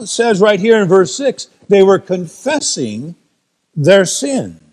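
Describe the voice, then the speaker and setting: An American man preaching a sermon as pastor, telling stories with playful asides. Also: high voice. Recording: long reverb in a large room.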